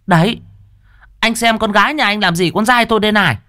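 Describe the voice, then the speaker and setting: A man doing a shrill furious village mother. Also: wildly swooping pitch, bright, forceful tone, full character voice. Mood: indignant, wailing. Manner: shrill, fast, wailing complaint.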